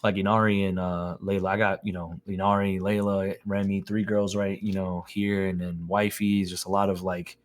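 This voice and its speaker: A man's voice: low voice, level tone, normal speed, hardly any pauses. A man co-hosting a podcast, a father of three girls who talks conversationally and keeps asking "you know what I'm saying". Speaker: podcast co-host. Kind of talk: casual podcast chat.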